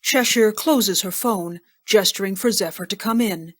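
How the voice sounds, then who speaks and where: A woman's voice: mid-range voice, measured pace, husky. A woman narrator reading scripted scene headings and action for an audio drama.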